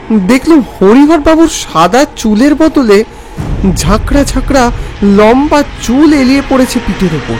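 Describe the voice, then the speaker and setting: An expressive narrator telling a scripted horror story with suspense and drama. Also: sits high, low-quality recording.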